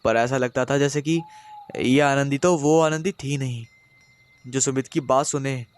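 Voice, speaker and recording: A man narrating a horror story in a steady, dramatic storytelling manner. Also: medium pitch.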